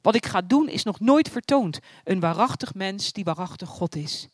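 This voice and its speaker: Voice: medium pitch, lively intonation, moderate pace, husky, no echo, studio quality. A storyteller voicing God as a male figure who speaks in solemn, proclaiming tones.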